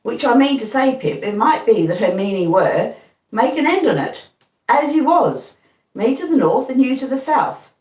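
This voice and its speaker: Lady reading as a kindly plodding blacksmith guy, talk, pitch swinging up and down, roomy echo. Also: very animated, normal speed, darkish tone. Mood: pondering. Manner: plodding rustic speech, earnest and repetitive. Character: kindly slow-spoken blacksmith man, middle-aged. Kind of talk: audiobook reading. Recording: roomy, distant mic.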